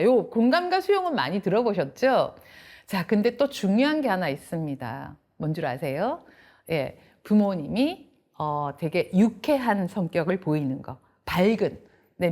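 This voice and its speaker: A woman lecturer with a fairly high voice gives an online talk for parents. Her pitch rises and falls a lot. She keeps the lecture lively and speaks straight to her listeners. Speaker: parenting lecturer and youth counselor. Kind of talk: online adult-education lecture.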